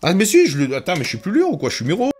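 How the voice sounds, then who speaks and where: Rambling Savoyard man, fairly high voice. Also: huge pitch swings, racing, a little hiss or hum. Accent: Savoyard French. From Savoie, France. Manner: rambling, stammering, joking asides. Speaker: music producer. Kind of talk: casual music-making vlog.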